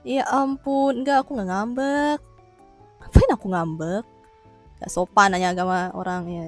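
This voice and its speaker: This live streamer reads viewer comments in a casual chat, playful and teasing, laughing a lot and tossing in little roars. Her mid-range voice keeps a fairly even intonation at normal speed, with soft music playing behind her.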